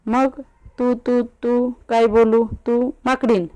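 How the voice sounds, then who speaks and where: A woman's voice: medium pitch, fairly even intonation, takes it slowly, dark tone, smooth, no echo, natural voice. A woman voicing a tipsy, childish young woman who slurs and lisps like a small child. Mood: teasing. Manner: slurred, babyish lisping speech.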